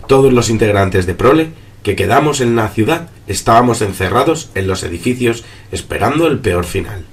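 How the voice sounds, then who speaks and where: A man acting as a besieged resistance fighter chronicles a war after the fall of civilization. His voice sits fairly low. He narrates in a grave, measured radio drama style, solemn and full of foreboding. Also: lightly acted. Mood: desperate, resigned.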